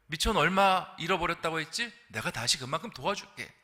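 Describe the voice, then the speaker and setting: A man doing a gruff, bright-voiced father. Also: a little high, animated, fairly quick. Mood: gruff encouraging. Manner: blunt, manly, encouraging. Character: gruff kind father cheering on his grown son.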